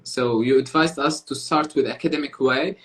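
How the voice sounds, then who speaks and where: A man's voice: mid-range voice, fairly bright tone. Hesitant man moderating an interview. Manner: polite, hesitant, fills pauses with uh. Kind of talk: interviewer asking questions.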